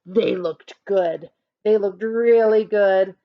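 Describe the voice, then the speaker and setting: A woman teacher reading a picture book aloud, pausing to explain things simply and directly to young listeners. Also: medium pitch, steady tone, no room sound, muffled recording.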